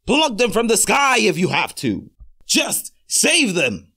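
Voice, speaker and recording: A man's voice: sits high, huge pitch swings, slow, pushed and bright, heavily acted. A man playing a desperate, overwrought character with an agitated, emphatic delivery in dramatic demo-reel style. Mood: desperate pleading.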